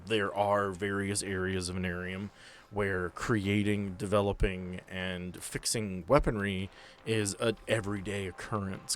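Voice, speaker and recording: A man's voice: lowish voice, fairly bright tone, a little hiss or hum. A man working as game master of a role-playing podcast, explaining and narrating casually with joking, sweary asides, with music behind him.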